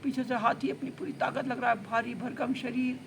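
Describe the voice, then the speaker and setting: A woman telling a children's story, animated, with spoken sound effects. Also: on the high side, moderate pace, vocal fry. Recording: noisy background.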